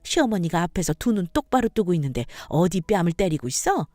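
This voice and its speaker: A woman's voice: lowish voice, very animated, fast talker, warm tone, no echo. A woman voicing a contemptuous middle-aged mother-in-law who berates and insults her daughter-in-law.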